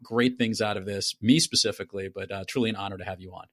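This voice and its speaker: A man's voice: lowish voice, steady tone, fast talker, a bit bright, no echo, clean studio sound. A man from Brooklyn hosting a podcast interview, upbeat and chatty. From Brooklyn, New York. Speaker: podcast host.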